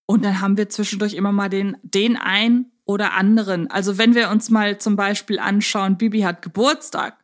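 Woman podcast host just chatting, mid-range voice, kinda thinking out loud. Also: medium pitch, fairly even intonation, normal speed, hardly any pauses. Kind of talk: casual podcast discussion of an audio drama series.

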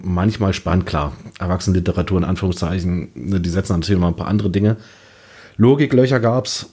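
Low, mellow, slightly husky man. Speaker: podcast panelist. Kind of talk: casual book review discussion.

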